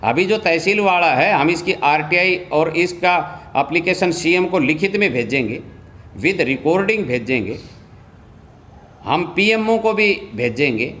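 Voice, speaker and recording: A man's voice: on the high side, expressive, measured pace, a bit bright. A man speaking as a local politician making a statement to reporters, insistent, repetitive and accusatory. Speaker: local politician and anti-corruption campaigner.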